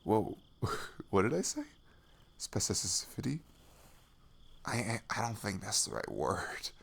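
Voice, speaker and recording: Casting: man to play affectionate male best friend for intimate ASMR roleplay; lowish, gravelly-edged soft voice, halting and tender. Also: big pitch swings, full character voice. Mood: playful, unsure. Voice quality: soft, breathy, often dropping to a whisper. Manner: hesitant, halting, chatty and tender.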